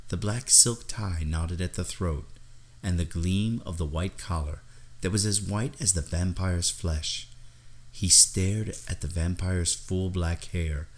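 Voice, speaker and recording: A man with a low-pitched voice reads gothic fiction for an audiobook. His delivery is scripted, measured and dramatic. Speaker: audiobook narrator, voice actor.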